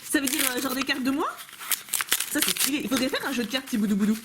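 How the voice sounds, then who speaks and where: The recording is very noisy: a YouTuber at home on a camcorder, opening fan-made cards in a casual unboxing chat. She's a fast talker with a high-sitting voice, gushing and playful, breaking into laughter again and again.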